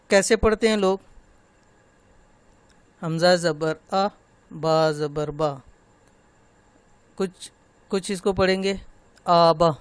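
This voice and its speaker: A man teaching Quran recitation, slowly spelling out syllables and pointing out common mistakes. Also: fairly high pitch, smooth, no room sound. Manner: slow, drawn-out demonstration of syllables, then gentle personal talk. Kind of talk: online tajweed lesson.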